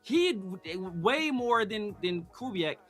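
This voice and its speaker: A high-voiced man with a sharp, bright tone, hosting a casual sports talk show. He argues his points with emphasis and talks over his co-host. Faint music plays behind him. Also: sing-song, unhurried. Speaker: podcast host.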